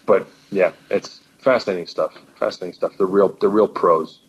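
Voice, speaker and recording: A man's voice: deep voice, steady tone, moderate pace, muffled recording, a little hiss or hum. A man who is a guest podcaster and musician, chatting casually and searching for words with many restarts. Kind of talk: casual chat.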